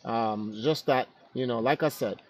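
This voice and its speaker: A man's voice: mid-range voice, measured pace, slight background noise. A man hosting a casual livestream chat, giving advice in a slangy, laid-back way. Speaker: stream host.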